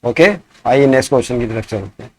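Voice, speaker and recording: A man teaching a math lesson. He asks his students questions and answers them himself, and he slows down to dictate each problem word by word. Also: medium pitch, steady tone, husky. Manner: mixes in English math terms. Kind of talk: classroom lesson explaining sets.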